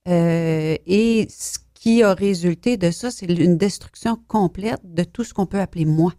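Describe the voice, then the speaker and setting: A woman from Belgium telling her life story as an interview guest, soft-spoken and hesitant, sometimes dropping almost to a whisper. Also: lowish voice, unhurried, dry recording, clean studio sound. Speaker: author guest. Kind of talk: personal testimony in an interview.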